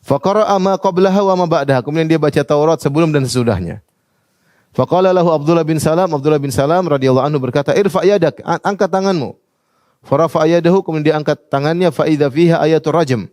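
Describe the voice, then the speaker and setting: A man's voice: fairly high pitch, fast talker, a little mellow, no echo, clean studio sound. A man giving a religious lecture as a preacher. He recites Arabic passages and translates each one, and he puts questions to his listeners. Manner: quotes Arabic passages then translates them, asks the audience questions. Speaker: Islamic preacher.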